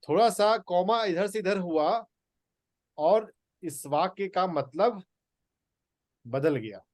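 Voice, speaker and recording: A man teaches scripture at an unhurried, measured pace, stressing words with long pauses. His voice sits a little high for a man. The sound is dry and close. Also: expressive, a little mellow, no room sound. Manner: slow, deliberate, emphatic pauses. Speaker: meditation and Gita teacher. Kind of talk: spoken teaching talk.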